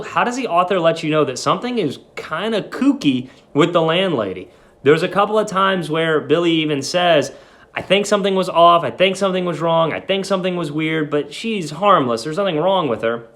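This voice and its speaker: A male teacher reads and talks through a story in an informal lesson style. His voice is a bit higher than average, with very varied, animated pitch.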